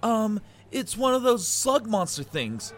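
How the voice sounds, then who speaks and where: A man's voice: high-pitched, very animated, measured pace, pitched above the performer's own voice, exaggerated voice. A man voicing a jumpy, eager young assistant researcher in a spoken story. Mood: thoughtful. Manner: startled, eager.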